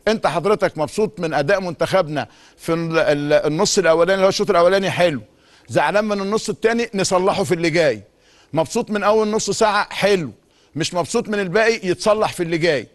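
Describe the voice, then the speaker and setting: A middle-aged man with an Egyptian Arabic accent, a sports talk show host delivering an emphatic monologue full of repeated insistent phrases. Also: sits high. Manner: rapid, emphatic, repetitive insistence. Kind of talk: monologue commentary.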